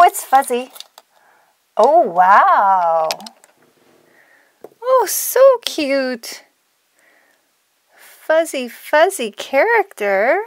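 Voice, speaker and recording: A woman's voice: high-pitched, a little hiss or hum. A woman hosting a toy unboxing for children, narrating playfully in a gushing, exclamatory, sing-song way. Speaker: toy unboxing video host.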